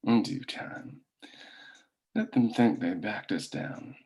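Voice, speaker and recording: Male villain boss, acted at a table read: lowish voice, calculating, commanding, terse. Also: slow pace, gravelly, a little mellow. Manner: commanding, clipped, scheming. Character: cold, calculating boss of company strongmen. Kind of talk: dramatic script table read.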